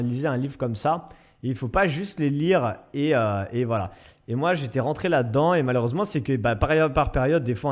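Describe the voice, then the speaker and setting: A young man hosting his own podcast, talking casually and self-mockingly with many restarts. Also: on the high side. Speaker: podcast host and fitness coach. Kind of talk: casual solo podcast monologue.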